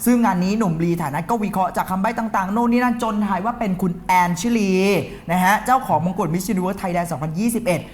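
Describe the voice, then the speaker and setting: A man's voice: high-pitched, fast talker, hardly any pauses. A man hosting an entertainment news show, reading the gossip and teasing his co-host in a playful, chatty way. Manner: playful, teasing, uses polite particles. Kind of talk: fast casual showbiz news chat.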